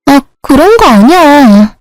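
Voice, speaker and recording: A woman voicing a younger sister, a young woman who pleads in a high, whiny voice. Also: big pitch swings, slow, a little mellow, no room sound, faint music behind, full character voice, poor audio. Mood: pleading.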